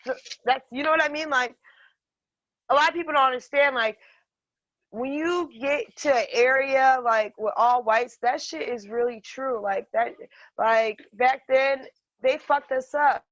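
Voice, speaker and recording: A woman in her thirties, a podcast guest telling personal stories in a profane, animated, emphatic way. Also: high-pitched, unhurried, dry recording, dull audio. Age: 30s. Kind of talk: casual chat, personal storytelling.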